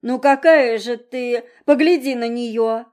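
A woman's voice: a little high, takes it slowly, a little mellow, pitched above the performer's own voice. A woman voicing a poor, guilty father who rambles and makes excuses. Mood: pleading. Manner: rambling, pleading, excuse-making.

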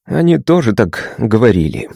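A man's voice: fairly low pitch, very animated, creaky, warm tone, no room sound, clean studio sound, exaggerated voice. Man voicing a touchy young male patient. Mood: matter-of-fact. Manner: matter-of-fact, quickly offended.

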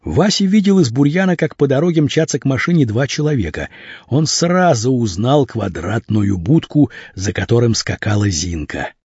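A man reading a story aloud in an expressive, lively way as narrator. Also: mid-range voice, moderate pace, breathy edge, no echo. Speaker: audiobook narrator. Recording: dull lo-fi dry recording.

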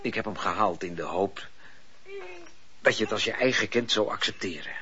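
Deep-voiced agitated, exasperated husband. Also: male voice, sharp tone. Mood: desperate. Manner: halting, emphatic, indignant. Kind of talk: radio drama acting. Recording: muffled, noisy old radio recording.

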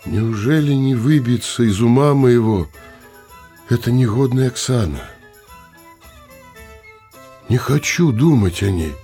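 An actor playing a lovesick, impulsive young village blacksmith in a theatrical audio drama, musing dramatically aloud to himself. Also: male voice, medium pitch, animated, slow pace, long pauses, warm tone, soft background music. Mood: brooding, self-mocking.

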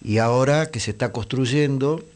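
A man, hoarse and losing his voice, chatting on radio with many pauses and fillers. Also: mid-range voice, darkish tone. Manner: hesitant, many fillers and restarts. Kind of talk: casual radio chat.

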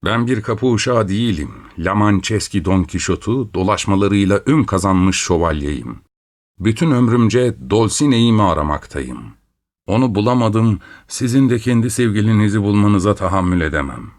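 A man voicing a grumpy old male doorkeeper, with a muffled, husky voice and short, evasive replies. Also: lowish voice, expressive, moderate pace, natural voice. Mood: curt.

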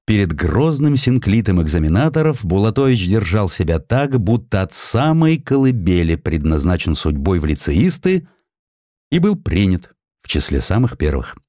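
A man narrating historical prose as a dramatic audiobook, with theatrical, expressive storytelling. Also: low-pitched, normal speed, no echo, clean studio sound.

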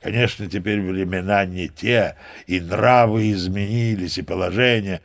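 A man's voice: low-pitched, fairly even intonation, moderate pace, creaky. An actor playing a grandiose, boastful old sea captain in an audio play, savouring his phrases theatrically. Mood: boastful, nostalgic. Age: older. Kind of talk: audio play character acting.

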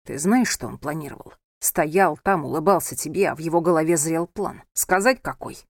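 A woman reading aloud and voicing an angry, controlling young husband who scolds his wife in a low, hard tone. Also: normal speed, dry recording, clean studio sound, lightly acted. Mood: scolding. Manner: harsh, scolding, hard-edged.

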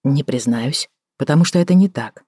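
A woman narrator voicing a calm, restrained man who speaks quietly and in a measured way. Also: rumbling low, breathy edge, no echo, clean studio sound, heavily acted. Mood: restrained, soft. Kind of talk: audiobook character voicing.

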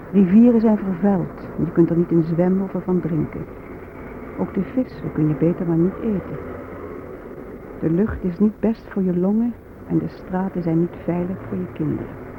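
A performer in a radio drama voicing a grieving, bitter Native American in solemn, measured, poetic recitation. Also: mid-range voice, fairly even intonation, close to an everyday voice. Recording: muffled narrowband old radio recording, faint noise.

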